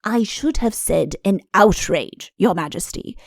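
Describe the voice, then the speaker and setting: A woman's voice: mid-range voice, expressive, a little slow, gravelly, dry recording, studio quality. A woman voicing an obsequious, cautious, long-winded male chancellor in a comic audiobook, pleading and deferential. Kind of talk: audiobook comic character acting.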